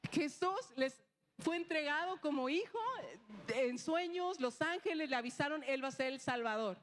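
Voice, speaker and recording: High-voiced woman preaching with lively stories. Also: moderate pace. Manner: animated storytelling, acting out dialogue, rhetorical questions. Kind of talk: sermon with personal story.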